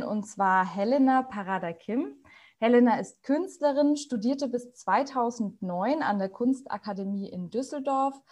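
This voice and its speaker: A woman's voice: a little high, darkish tone, no echo. A woman co-hosting a podcast and introducing a guest, talking in an easygoing, thoughtful way. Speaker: podcast co-host. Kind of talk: casual podcast chat.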